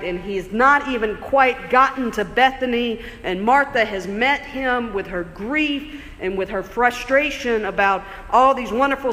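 A man preaching a sermon in a church, conversational and explanatory, slowing down for emphasis. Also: high voice, sharp tone. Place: church sanctuary. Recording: long church reverb.

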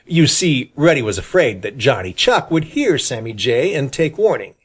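Husky man with a lively storytelling voice. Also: medium pitch, moderate pace. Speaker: audiobook reader. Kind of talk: children's storybook narration.

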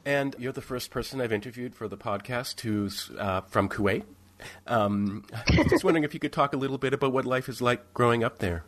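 A man hosting a podcast, introducing his guest and asking curious, halting questions. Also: medium pitch, a bit bright. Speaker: podcast host. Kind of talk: interview hosting.

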